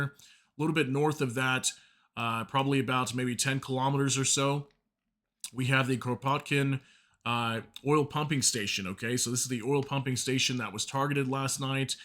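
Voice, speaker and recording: A man with a mid-pitched, bright, forward voice hosts a casual news update. He sounds slightly hoarse from a sore throat. He talks to viewers informally and apologizes when he stumbles over hard names. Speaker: news channel host. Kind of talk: casual war news briefing.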